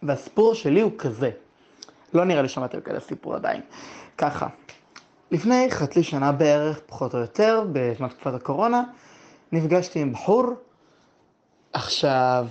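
A man in his twenties telling a casual personal anecdote as a guest, lively and quick, chuckling between phrases. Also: on the high side. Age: 20s. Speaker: guest storyteller. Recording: slightly dull lo-fi recording.

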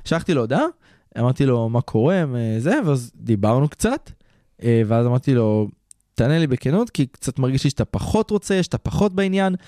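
A man's voice: dry recording, studio quality. A young man telling a dating story in casual chat, acting out the quotes. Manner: lively, expressive, acts out quotes in a higher voice.

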